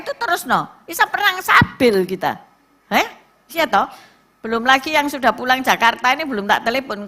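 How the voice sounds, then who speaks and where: A middle-aged woman pastor with a Javanese accent, preaching a sermon to a church and telling stories with lively asides to the congregation. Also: high-pitched. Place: church service.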